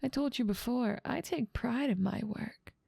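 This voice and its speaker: A dominant demon ruler of hell, acted by a woman, speaks in an ASMR roleplay with a creaky edge to her voice. She is teasing and condescending, with playful menace, and the recording is close and dry. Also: on the high side, normal speed, mellow, no room sound, full character voice. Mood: darkly relishing. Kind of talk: ASMR roleplay audio drama.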